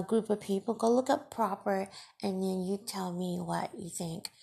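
Slow, gravelly-voiced woman podcast host. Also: medium pitch, darkish tone. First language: Farsi. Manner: deliberate, emphatic, scolding. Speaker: podcast host and radio broadcaster. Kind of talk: solo podcast monologue.

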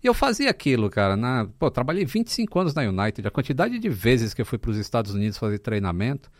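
A Brazilian man in his fifties, a podcast guest telling stories in a relaxed, casual way with many fillers. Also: mid-range voice, fast talker, dry recording, studio quality. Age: 50s. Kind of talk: casual chat.

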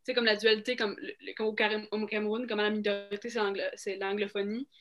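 A woman's voice: medium pitch, flat delivery, fast talker, soft background music. A woman with a Québécois accent co-hosting a podcast, chatting casually with hesitations. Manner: hesitant, many restarts and fillers, laughs easily. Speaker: podcast co-host.

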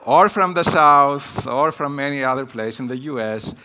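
Bright-voiced Greek man in a reverberant hall. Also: mid-range voice, expressive, moderate pace. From Greece. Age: about 50. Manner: warm, personal, with hesitant fillers. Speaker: guest missions speaker. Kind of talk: church conference talk. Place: church hall.

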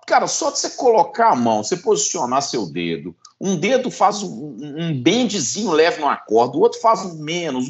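A man in casual conversation about guitars, animated and swearing, often restarting his sentences. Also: mid-range voice. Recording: dull lo-fi sound.

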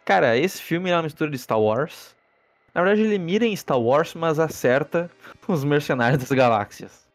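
A man's voice: fairly high pitch, expressive, moderate pace. A man with a Brazilian Portuguese accent hosting a casual movie review podcast, sarcastic and profane, rambling with restarts. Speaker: podcast host. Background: faint background music.

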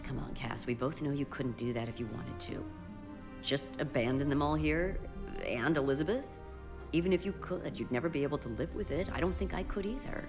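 Tough wry space privateer, super low voice, dry teasing, music behind. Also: female voice, fairly quick. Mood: firm, loyal. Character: wry, tough, loyal female privateer crewmate. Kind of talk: science fiction audio drama acting. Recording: music under the voice.

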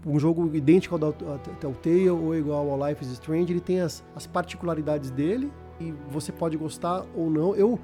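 A man's voice: fairly high pitch, fairly quick, hardly any pauses, dark tone, faint music behind. A Brazilian man chatting casually as a podcast host, slangy and often repeating words as he searches for phrasing. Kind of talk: casual chat about video games.

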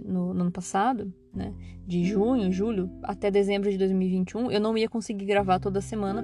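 A Brazilian woman talking casually as a podcast host and teacher, rambling with many fillers and restarts. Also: mid-range voice. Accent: Brazilian Portuguese. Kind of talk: casual solo podcast chat.

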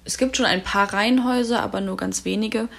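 A woman in her early twenties from Germany, a volunteer talking calmly and thoughtfully in a casual podcast discussion. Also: mid-range voice, brisk, creaky. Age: 20s.

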